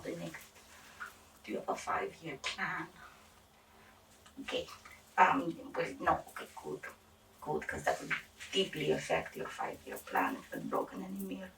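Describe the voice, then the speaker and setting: A woman playing an eccentric female doctor in an ASMR roleplay, halting and formal, breathy and often near a whisper. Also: medium pitch, fairly bright tone, far from the mic, a little hiss or hum, exaggerated voice, low-quality recording. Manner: halting, hesitant, formal clinical phrasing with odd asides. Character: eccentric female doctor examining a patient for monster afflictions. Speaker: ASMR performer. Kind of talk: ASMR roleplay, intimate questioning.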